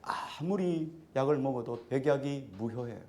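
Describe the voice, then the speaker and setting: Male pastor, sermon, conversational, questions to the congregation, mid-pitched voice. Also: normal speed, mellow, a little hiss or hum.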